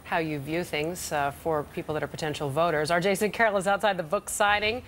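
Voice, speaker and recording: A woman's voice: lowish voice, steady tone, brisk, slight background noise. An American woman working as a news anchor, presenting live television news.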